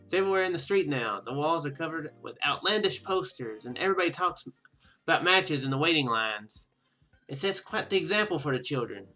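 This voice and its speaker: A pompous, old-fashioned parent from a visual novel , as a male gamer puts on. The voice is bright and somewhat high, emphatic and full of scorn, over faint game music. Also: expressive, brisk, poor audio. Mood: pompous indignation.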